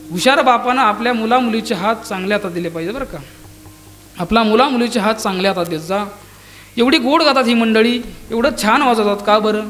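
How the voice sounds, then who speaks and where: A man's voice: sits high, a bit bright. A man preaching a devotional kirtan, telling a saint's story with acted dialogue and sung verses. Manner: dramatic storytelling, voicing characters' dialogue; breaks into slow sung abhang verses. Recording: live kirtan with tabla and instruments behind.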